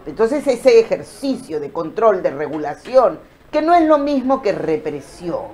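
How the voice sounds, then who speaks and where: A woman of middle pitch gives a motivational talk about emotions and the brain. She talks straight to her viewers with an expressive, teaching manner. She slips into other voices when she quotes people.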